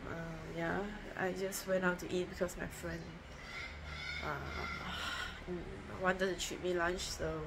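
A woman's voice: lowish voice, fairly even intonation, slow pace. A young woman chatting casually into a phone at home, matter-of-fact and rambling, with lots of fillers and restarts. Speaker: vlogger. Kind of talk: casual diet vlog to camera. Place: home, indoors. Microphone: phone held close at arm's length. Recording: noisy home phone recording.

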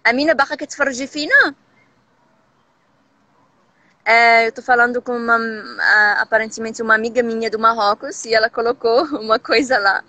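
A quick-talking woman from Morocco with a Moroccan accent, her first language Moroccan Arabic. Her voice sits a little high and sounds bright and sharp. She chats casually as a guest language teacher, restarting and hesitating mid-sentence. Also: fairly even intonation, dry recording. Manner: speaks with many restarts and small hesitations. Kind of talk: casual live chat.

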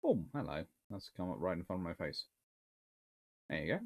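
This thirties-aged naval historian has a deep, creaky voice with a breathy edge, and he talks briskly and very animatedly. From a small book-lined room, he answers viewer questions on a relaxed livestream, reasoning aloud and often starting his sentences over.

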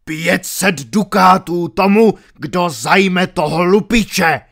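A furious, impatient baron barks orders loudly, as a man acts him out in an audiobook. His voice rises in pitch and force, harsh and domineering. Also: gravelly. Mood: roaring. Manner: barking, loud and angry. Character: furious, impatient middle-aged Norman baron.

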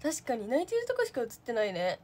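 An idol trainee livestreamer, a young woman, chats casually and answers viewer comments in a fairly high, husky voice with big swoops in pitch. She talks fast, giggles a lot, fills her speech with fillers, and sounds relaxed and off the cuff.

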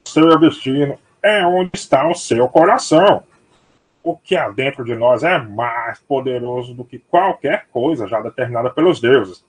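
A man's voice: medium pitch, measured pace, breathy edge. A man playing a fond, wise old father's ghost in an audio drama, colloquial and paternal. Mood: encouraging.

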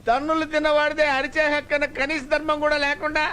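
Whiny comic sidekick servant; high, bright, fast, pleading and wisecracking. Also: male voice, level tone. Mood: wheedling. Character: cringing comic male servant, whiny, scheming. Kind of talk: comedic Telugu film dialogue. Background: film score.

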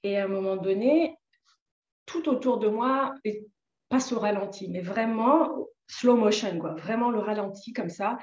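A woman recounts her own experience in a personal testimony. She hesitates, fills pauses and restarts often. Her voice sits in a mid pitch, in a roomy space with slightly dull, muffled sound. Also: a little mellow. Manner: hesitant, many fillers and restarts. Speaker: interviewee sharing a personal story.

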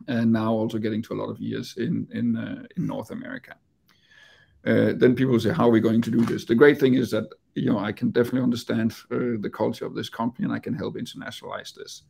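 Gravelly Danish-accented man on a video call. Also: mid-range voice, dark tone. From Denmark. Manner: hesitant, repeats words while speaking. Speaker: company executive. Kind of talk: investor presentation.

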